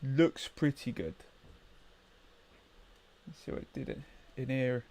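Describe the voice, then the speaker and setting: A man's voice: mid-range voice, lively intonation, takes it slowly, creaky, a little mellow. A man hosting a casual live trading stream, chatting and muttering to himself as he checks charts. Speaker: livestream trading host.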